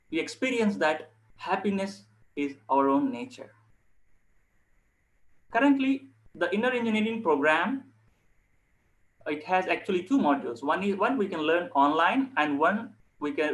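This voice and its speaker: A man giving an informal instructional talk as a yoga instructor, speaking earnestly in short, halting phrases to online viewers. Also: fairly high pitch, animated, fairly bright tone, poor audio.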